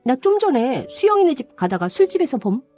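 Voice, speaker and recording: A woman's voice: sits high, very animated, fairly quick, warm tone, soft background music. Chatty woman in a radio drama. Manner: chatty, tattling. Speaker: storyteller voicing a gossiping younger relative.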